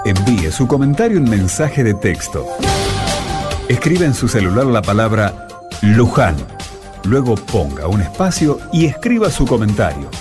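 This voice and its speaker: A man's voice: on the low side, big pitch swings, measured pace, over music. A man reading a scripted radio announcement in an instructional manner.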